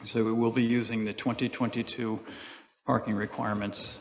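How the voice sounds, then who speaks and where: A man's voice: fairly low pitch, level tone, moderate pace. A man chairing a town planning board meeting, walking through motions and votes in a plain, procedural way. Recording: dull audio in a reverberant meeting hall.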